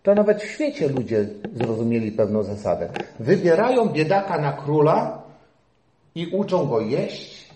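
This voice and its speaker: A middle-aged male pastor preaching a sermon, swinging between emphatic peaks and quiet asides. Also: on the high side, sing-song, a little slow, reverberant, slight background noise.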